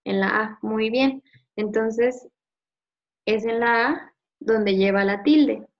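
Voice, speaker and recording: A woman teacher giving a one-on-one review lesson, patiently quizzing and repeating words slowly. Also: on the high side. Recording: slightly muffled lo-fi audio.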